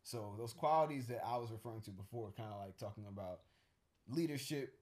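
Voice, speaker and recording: A co-host on a casual podcast rambles thoughtfully, full of fillers and restarts. His voice is medium-pitched with a darkish tone, and he talks a little fast.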